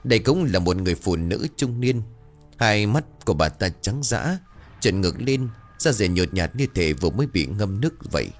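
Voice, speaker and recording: Male storyteller, low and animated, ghost story narration over faint background music. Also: normal speed. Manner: voices characters in dialogue, expressive.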